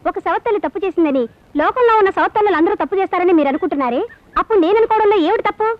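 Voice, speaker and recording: A woman's voice: very high voice, expressive, rapid-fire, dry recording. A woman playing an outspoken young teacher in dubbed film dialogue, blunt and lecturing with adults and coaxing with a crying baby. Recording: dull lo-fi film soundtrack with music.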